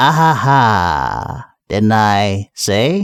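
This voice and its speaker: A man performs a put-on character voice. The recording is very clean with a silent background. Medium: read story. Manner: blustering, pugnacious.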